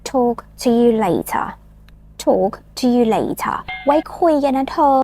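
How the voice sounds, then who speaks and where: A woman from Thailand, speaking, teaches English phrases in a playful, teasing way and drills slow, drawn-out pronunciation. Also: a little high, sing-song, creaky, mellow, soft background music. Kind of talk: lesson with repeat-after-me drills.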